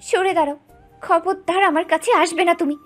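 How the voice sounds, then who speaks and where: A woman's voice: very high-pitched, steady tone, moderate pace, fairly bright tone, faint music behind. A woman voicing a hot-tempered young wife in an audio drama, with biting, accusing outbursts. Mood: furious.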